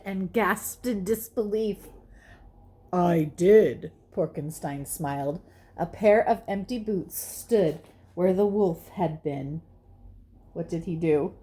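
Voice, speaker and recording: A woman reading a children's picture book aloud expressively, with deliberate, dramatic pauses. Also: medium pitch, lively intonation, warm tone, husky. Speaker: storyteller.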